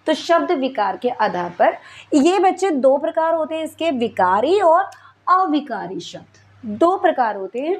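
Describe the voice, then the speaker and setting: High-voiced woman teaching grammar. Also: big pitch swings, unhurried. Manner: patient, explains step by step and checks in with "theek hai". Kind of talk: classroom grammar lesson.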